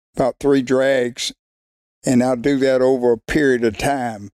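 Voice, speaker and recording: A man's medium-pitched voice in a Southern US accent, dark and mellow, monotone and flat, at a fairly slow pace. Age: 60s. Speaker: coon hunter. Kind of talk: casual chat.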